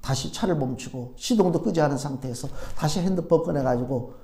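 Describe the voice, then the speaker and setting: A middle-aged male pastor giving a sermon, telling a story in a folksy, animated way and acting out his own thoughts. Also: fairly high pitch, brisk. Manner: folksy, animated storytelling with acted-out inner speech.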